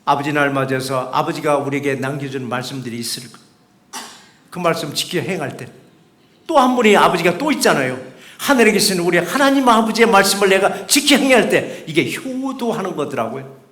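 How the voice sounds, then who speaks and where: High-voiced male pastor preaching, echoey. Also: a bit bright. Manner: emphatic preaching with rhetorical questions; acts out quoted voices in dialogue. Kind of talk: sermon. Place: church sanctuary.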